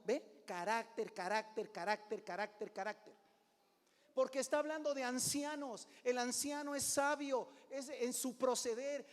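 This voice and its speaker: A middle-aged man preaching as a pastor, conversational, often calling "hermano", swinging between loud and hushed. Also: very high-pitched. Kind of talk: sermon. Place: church sanctuary. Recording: long hall reverb.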